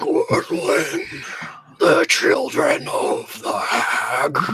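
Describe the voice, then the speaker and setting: Over clear background noise, a man puts on a raspy character voice at an extremely high pitch, speaking very slowly. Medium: actual play. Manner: wary, questioning.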